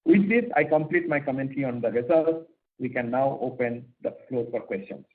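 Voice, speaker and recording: Male finance executive, mid-pitched, slightly husky, heard through thin conference-call phone audio. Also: fairly quick. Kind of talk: earnings call commentary, partly prepared, partly off the cuff. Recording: tinny, narrow phone-line audio.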